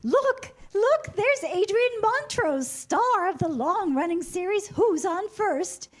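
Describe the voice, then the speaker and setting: A woman playing a bubbly, excitable tour guide in a staged comedy reading, announcing to her group. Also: very high-pitched, takes it slowly, exaggerated voice. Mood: excited.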